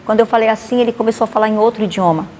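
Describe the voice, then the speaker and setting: A woman pastor with a Bahian accent, giving a lively spoken testimony and acting out the dialogue. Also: on the high side, racing. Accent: Bahian Portuguese. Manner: animated, acts out dialogue. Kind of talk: testimony storytelling. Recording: long reverb, faint noise.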